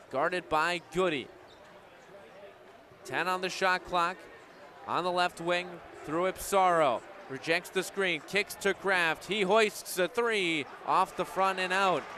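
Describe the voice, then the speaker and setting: Sharp and high, with a steady tone and slow pace, the voice belongs to a young American radio broadcaster in his 20s calling a live game. Crowd and gym noise from the venue sit behind him.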